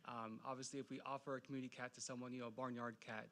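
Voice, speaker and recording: Male staffer, brisk delivery, mid-pitched, explaining a program to a council. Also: flat delivery, fairly bright tone, a little hiss or hum. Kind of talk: explaining a program at a public meeting.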